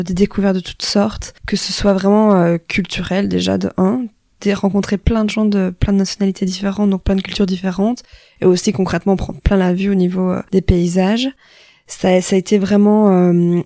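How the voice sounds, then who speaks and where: A woman's voice: medium pitch, dark tone, no echo, studio quality. A young woman from Wallonia, talking informally and spontaneously as the host of a solo podcast. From Wallonia, Belgium. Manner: informal, conversational, unscripted.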